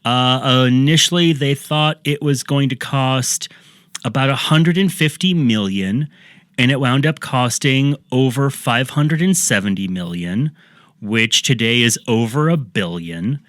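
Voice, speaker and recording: A man's voice: mid-range voice, expressive, unhurried, a bit bright, no echo, clean studio sound. A man hosting a podcast, telling a story in casual chat with jokey asides. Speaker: podcast host.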